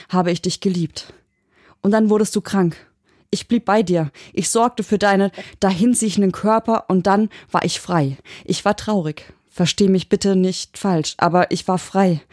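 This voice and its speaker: A furious, frightened woman, played by a female reader in an audiobook, her voice pitched well above the narration. She sounds shrill and trembling, with mellow warmth underneath. The recording is dry and close. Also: steady tone, normal speed, hardly any pauses, no room sound, close to an everyday voice. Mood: bitter, upset. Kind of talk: audiobook reading.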